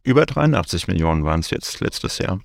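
A man's voice: low voice, very animated, a little fast, vocal fry, no echo, clean studio sound. A man speaking as a guest on a podcast panel who explains facts and hesitates with fillers. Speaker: ministry country desk officer, panel guest.

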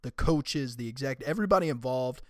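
A young man with a raspy, hoarse voice talks through a solo podcast, casual and conversational but emphatic when he makes a point. His pitch sits in a middle range. The recording is dry and close, with no room sound. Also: animated, a little fast, no echo. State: hoarse from screaming and illness. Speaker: podcast host.

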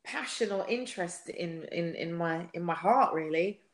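A woman in her forties, a singer being interviewed, talking in an animated, chatty way with quick laughs and frequent restarts. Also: on the low side. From United Kingdom. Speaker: guest singer. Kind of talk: casual interview chat. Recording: echoey room.

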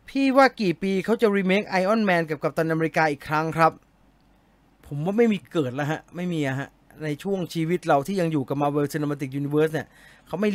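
A man hosts a live movie news stream, chatting and joking with his viewers in a polite, easygoing way. His voice sits high, and it is recorded dry and close with no room sound. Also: a bit bright, no echo. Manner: chatty, jokey, polite particles. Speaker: movie talk show host. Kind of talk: casual live-stream chat reading viewer comments.

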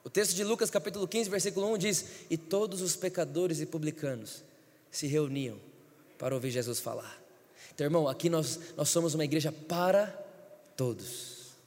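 A man preaching a sermon as pastor, impassioned, telling stories and acting out the dialogue, building to shouted repetition. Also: on the high side, a little fast. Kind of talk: sermon with storytelling. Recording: long hall reverb.

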